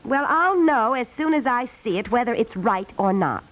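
A woman's voice: on the high side, animated, moderate pace, a bit bright, low-quality recording. A woman playing a fussy, insistent housewife in a 1950s radio comedy, dithering and over-explaining every detail. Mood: hesitant, particular. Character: fussy, insistent housewife choosing paint colors. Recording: vintage 1950s radio recording.

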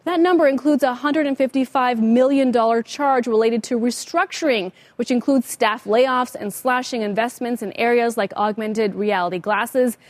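An American woman anchoring a financial broadcast, delivering rapid market news in a brisk broadcast manner. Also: fairly high pitch, no echo. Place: TV news studio.

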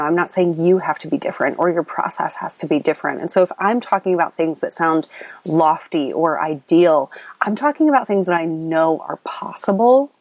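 A low-pitched woman with a slight lilt, hosting a spiritual podcast. She talks earnestly and wanders, with ums and restarts, her voice a bit scratchy. It is recorded close and dry on a recording app. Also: darkish tone, dry recording. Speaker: podcast host. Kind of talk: spiritual coaching podcast monologue. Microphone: app recording, close mic.

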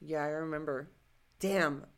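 A young woman co-hosting a casual podcast, an animated storyteller who acts out quotes and wanders off on tangents. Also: low voice, measured pace. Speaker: podcast co-host.

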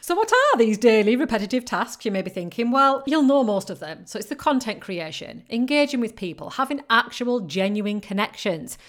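A woman's voice: on the high side, sing-song, moderate pace, few pauses. A woman with a northern English accent, giving an emphatic, motivational business-coaching talk. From northern England. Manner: emphatic, repetitive encouraging delivery. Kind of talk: motivational podcast monologue.

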